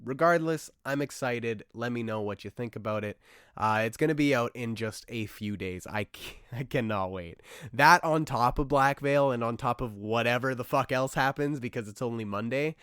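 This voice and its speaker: A young adult man hosting a casual solo podcast, rambling with lots of fillers and bursts of excitement, his voice a little rough from starting to lose it. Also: medium pitch, normal speed, dry recording, studio quality. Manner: enthusiastic, rambling, with frequent fillers and asides. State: slightly rough, losing his voice. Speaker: podcast host.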